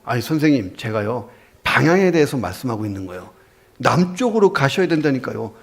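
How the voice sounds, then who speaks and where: A man's voice: mid-range voice, sing-song, a little fast. A man voicing a local who keeps insisting on directions to a traveler, with a raised, insistent delivery, told as a story in a sermon. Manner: insistent, increasingly exasperated.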